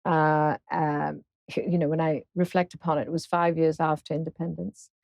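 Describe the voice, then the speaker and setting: A woman in her fifties from Singapore, a guest in an interview, speaking thoughtfully with many pauses and fillers. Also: deep voice, flat delivery, creaky, darkish tone, no echo. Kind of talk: casual interview conversation.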